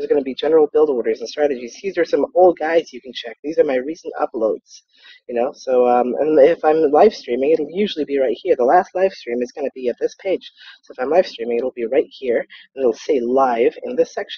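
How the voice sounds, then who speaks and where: Fairly high in pitch, a man talks at a fairly quick pace with lively intonation and big swings in loudness. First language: not English. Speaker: gaming video creator. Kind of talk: gameplay commentary tutorial. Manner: casual, conversational.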